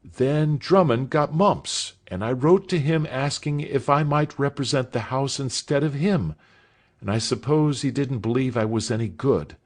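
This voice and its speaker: A man's voice: mid-range voice, measured pace, pitched above the performer's own voice, lightly acted. A man reading aloud voices a nervous, earnest teenage schoolboy who speaks hesitantly.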